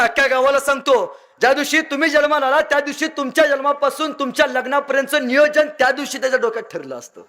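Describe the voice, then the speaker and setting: A man delivers a motivational speech in a high voice. He tells his stories dramatically, rising into loud appeals and then dropping to hushed lines. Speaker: motivational speaker.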